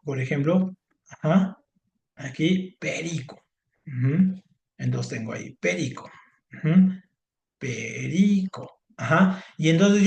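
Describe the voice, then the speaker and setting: A man tutoring a student, explaining step by step, repeating words and filling pauses with little affirmations. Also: a little high, a little mellow. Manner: patient, explains step by step, repeats words, frequent "ajá" and "ujú". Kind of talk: online Spanish grammar lesson. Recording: roomy echo.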